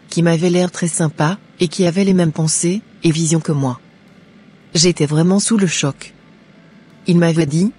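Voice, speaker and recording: Woman voicing a pious young Christian woman, earnest, mellow, breathy, Christian cartoon. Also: low-pitched. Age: young adult. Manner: earnest, pious, speaks in prayers and praise.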